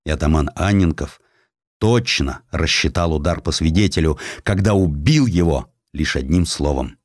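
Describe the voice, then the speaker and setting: Low-voiced man narrating history. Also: animated, normal speed. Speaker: audiobook narrator. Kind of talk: scripted dramatic narration of a historical essay.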